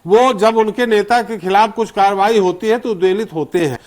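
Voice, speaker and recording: A man's voice: sits high, normal speed, a little mellow. A male news anchor moderating a televised political debate, firm and interrupting to keep guests on time.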